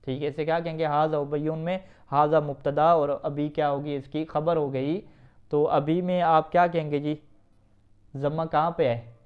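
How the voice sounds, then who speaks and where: High-voiced male grammar teacher. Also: little pitch movement, smooth. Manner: asks students questions and answers them himself; reads Arabic quickly, then explains in Urdu. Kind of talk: classroom lesson reading and explaining an Arabic text. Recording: dull, lo-fi recording.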